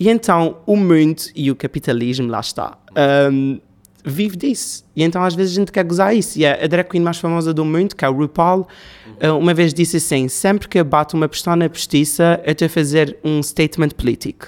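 This man has a high-pitched voice. He speaks at a fairly quick pace with ordinary pitch variation. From Azores, São Miguel (Ribeira Grande). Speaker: fashion worker and drag performer. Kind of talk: casual chat.

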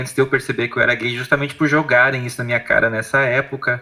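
Over noticeable background noise, a man talks very fast at medium pitch with fairly even intonation. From Blumenau, Santa Catarina, Brazil. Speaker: podcast host. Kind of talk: casual chat. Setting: remote online call.

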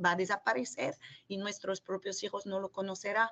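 A woman of medium pitch speaks with a French accent, the sound dry and close with no echo. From France, Bordeaux region. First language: French (speaking Spanish). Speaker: interior design studio co-founder. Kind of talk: interview.

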